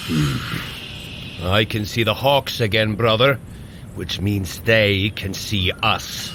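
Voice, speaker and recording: An actor playing a blunt, hearty warrior god in an audio drama, gruff and dryly skeptical toward his brother. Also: lowish voice, slow pace, sharp tone, a little hiss or hum, heavily acted.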